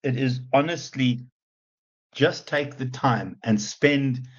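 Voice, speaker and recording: A man from South Africa with an Afrikaans accent, giving a chatty, animated university lecture with lots of repeated restarts. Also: mid-range voice, slow pace. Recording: muffled lecture recording.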